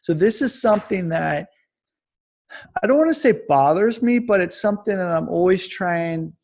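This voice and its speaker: Gravelly american guy in his 40s, kinda high voice, rambles n restarts a lot while telling stories. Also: moderate pace. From United States. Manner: rambling, animated storyteller with many restarts. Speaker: guest, fitness coach. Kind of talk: casual interview chat. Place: lives in Japan.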